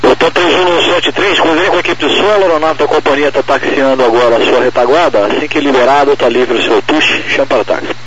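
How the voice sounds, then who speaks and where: A man's voice: mid-range voice, fast. A Brazilian man working as an airport ground controller, giving procedural instructions over the radio. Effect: radio transmission. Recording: muffled aviation radio, faint noise.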